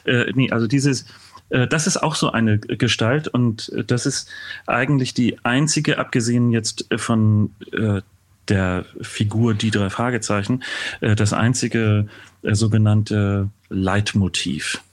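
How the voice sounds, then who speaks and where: A man's voice: lowish voice, a little slow. Demonstrative man explaining as an interview guest. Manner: animated explaining, acts out thoughts, hums motifs. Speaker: composer, podcast guest.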